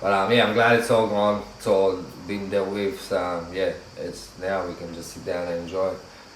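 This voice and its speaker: In an Australian accent, a man speaks at a moderate pace, with audible room echo and noticeable background noise. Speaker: vlogger. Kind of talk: casual chat.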